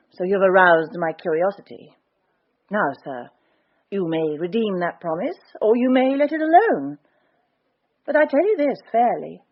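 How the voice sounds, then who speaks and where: A woman's voice: medium pitch, breathy edge, lo-fi sound. An actor playing a proud young lady who speaks in a cool, forthright way in a radio drama.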